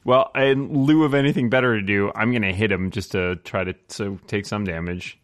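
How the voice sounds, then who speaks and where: A man playing a tabletop game, joking fatalistically with friends in casual banter. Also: normal speed. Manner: joking, fatalistic banter with lively swings in pitch.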